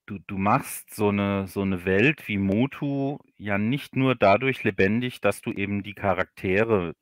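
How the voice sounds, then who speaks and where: A man chatting casually as an interview guest, explaining things haltingly and repeating words as he thinks. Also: lowish voice, no echo, studio quality. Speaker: audio drama author, livestream guest.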